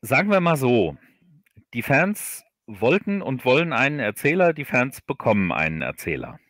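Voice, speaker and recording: A man chatting as an interview guest on a livestream, explaining in a halting way and often repeating words. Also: medium pitch, sing-song, fairly bright tone, no room sound, studio quality. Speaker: guest audio drama writer. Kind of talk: casual interview chat on a livestream.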